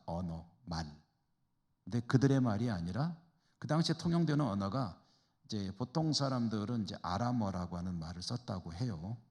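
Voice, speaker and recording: Teaching a church Bible study, a pastor from the Chungcheong region talks conversationally and asks his class rhetorical questions. The church hall is reverberant, and his voice is lowish with a darkish tone.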